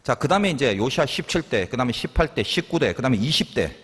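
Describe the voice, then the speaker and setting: A male pastor delivers a sermon in a relaxed, teaching way, posing questions to the congregation and answering them himself. His voice is husky and swings widely in pitch. The sound carries the long reverb of a church hall. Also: quick pace. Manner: conversational teaching with rhetorical questions and asides.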